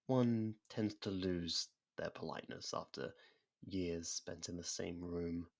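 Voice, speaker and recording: A performer voicing a sadistic, centuries-old vampire in an ASMR roleplay, theatrical and mocking, slipping into slow whispers. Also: deep voice, gravelly, darkish tone, heavily acted. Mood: smug, curious.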